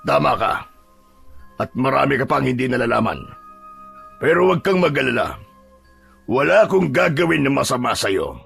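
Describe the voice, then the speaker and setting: A man voicing a calmly menacing aswang monster in a horror audio drama, with a deep, husky, gravelly voice and slow, controlling delivery. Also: faint music behind, full character voice. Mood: calm menace. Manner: slow, measured, coaxing yet firm. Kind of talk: Filipino radio-style horror drama acting.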